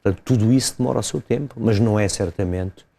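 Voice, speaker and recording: A man, a lawyer explaining a legal case step by step in an interview, pausing and hesitating often. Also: on the low side, gravelly, warm tone. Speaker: lawyer commenting as guest.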